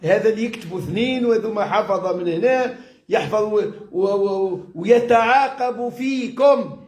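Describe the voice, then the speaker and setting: Male religious teacher, Tunisian accent, notably high voice. Informal, explanatory delivery that rephrases points, recorded in a reverberant room. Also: normal speed, darkish tone. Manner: explanatory, repeats and rephrases with everyday examples. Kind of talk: informal religious lesson mixing classical Arabic and dialect. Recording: echoey room.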